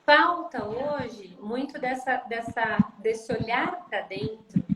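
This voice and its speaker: A fairly high-voiced woman speaking emphatically as a guest in a live video chat, often repeating her words to drive a point home. Her voice comes through an echoey room with heavy noise behind it. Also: animated, takes it slowly. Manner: emphatic, repeats phrases for stress. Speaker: speech therapist guest. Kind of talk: live-stream conversation on parenting. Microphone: video call.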